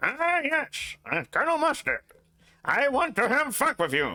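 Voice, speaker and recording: Putting on a character voice, a man talks at a moderate pace at an extremely high pitch. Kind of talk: thirties-style. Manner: seductive, smooth.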